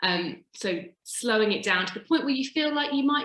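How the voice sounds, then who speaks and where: A woman with a British accent and lively intonation. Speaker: media presenter giving a training session. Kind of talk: online workshop talk. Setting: video call. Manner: naturally fast talker.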